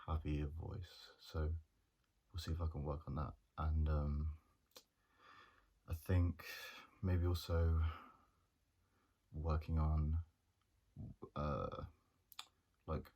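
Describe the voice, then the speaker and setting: A young man, a journalism student talking through his plans in a hesitant, monotone way with many pauses and restarts. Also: rumbling low, slightly rough, dull audio. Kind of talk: casual reflective monologue.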